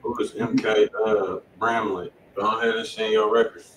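Dude co-hosting a stream, blunt n sweary slang, far from the mic, really echoey. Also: male voice, fairly low pitch, little pitch movement, normal speed. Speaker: co-host of a music review livestream. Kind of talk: casual, slangy livestream chat. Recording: distant mic, echoey room, noisy background.

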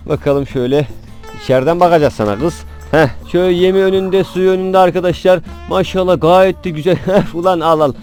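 A man's voice: fairly high pitch, a little mellow. A man with a Turkish accent chatting casually to viewers as he tends his chickens in a backyard coop, talking fondly to the birds. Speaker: poultry vlogger. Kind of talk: casual chat to viewers while tending chickens.

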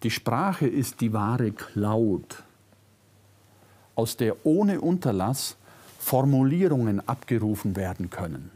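An older man with a faint Bavarian-Swabian German accent, reading a prepared lecture as a philosopher, measured and reflective, lifting his voice on key words. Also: mid-range voice, expressive, dark tone. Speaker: philosopher giving a public lecture. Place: lecture room, seated at a desk. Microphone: lapel mic.

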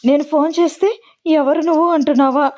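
In a high, darkish voice at a moderate pace, a woman lightly acts as a mischievous young woman faking tearful heartbreak on a prank call. The delivery is melodramatic and teasing, and the audio is dull and lo-fi.

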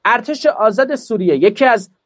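A man's voice: high voice, lively intonation, a bit bright. A man delivering a political commentary monologue, emphatic and mocking, full of rhetorical questions.

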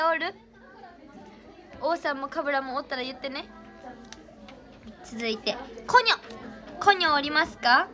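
Bright high-voiced young woman. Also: a little slow, long pauses, faint music behind, some chatter behind. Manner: chatty, thanks fans by name. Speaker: idol reading fan names. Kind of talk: casual livestream chat.

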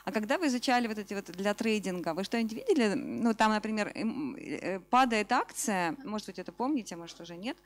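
A woman with an average-pitched voice asks questions from the audience. She is effusive and chatty, phrasing things in an informal way. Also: animated, a little fast, few pauses. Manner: effusive, enthusiastic. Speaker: audience member asking questions. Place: event hall.

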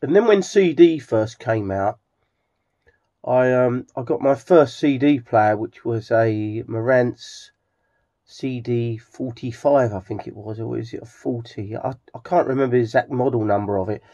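A middle-aged man with an English accent gives a casual, rambling vlog narration in a halting, hesitant manner. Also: mid-range voice, mellow. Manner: halting, hesitant, with frequent throat clearing. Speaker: hobbyist video host. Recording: slightly dull home recording.

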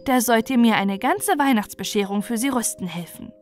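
A woman voicing a kind, affectionate aunt in a storybook, speaking to children in a gentle, earnest way. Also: on the high side, animated, moderate pace, faint music behind, close to an everyday voice. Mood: pleased, encouraging. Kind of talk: storybook character voice.

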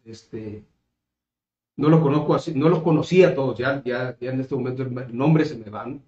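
A man's voice: medium pitch, moderate pace, a little mellow. Hesitant northern Mexican man in echoey room. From Mexico, coast of Caborca in Sonora. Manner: hesitant, repeats words while searching for the next. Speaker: political candidate being interviewed. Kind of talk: conversational interview answers. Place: small indoor room, seated at a table. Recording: roomy echo, slightly dull sound.

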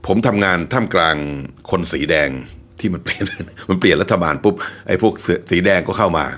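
A man's voice: sits low, a little fast, a bit bright. A man in his fifties from Thailand, hosting his own channel and telling his story to viewers in a chatty, self-deprecating way, laughing often. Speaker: channel host.

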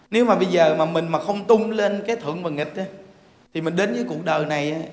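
A male monk giving a dharma talk in a lively, joking way, acting out quarrels with bursts of laughter. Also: high-pitched. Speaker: monk teacher. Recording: echoey hall with faint background noise.

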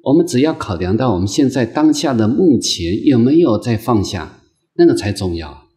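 A man, a Buddhist monk, giving an unscripted dharma lecture in a gentle, patient way, repeating phrases and filling pauses with soft drawn-out sounds. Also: medium pitch, very animated. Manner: gentle, repetitive phrasing with many drawn-out "ah" fillers; slow, patient, coaxing delivery.

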